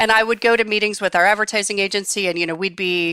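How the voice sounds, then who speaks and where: A woman's bright, sharp voice at a medium pitch, fairly quick pace and ordinary pitch variation, with a dry, close sound with no echo on a very clean recording with a silent background. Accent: American. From United States. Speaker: marketing executive. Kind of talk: interview.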